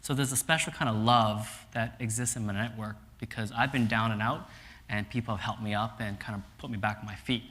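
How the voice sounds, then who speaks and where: Bright-voiced man giving an animated talk. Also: on the low side, a little fast. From Canada. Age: 30s. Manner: energetic, animated storytelling with voiced quotes. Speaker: speaker. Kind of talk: conference talk. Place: stage in a lecture hall. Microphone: clip-on mic.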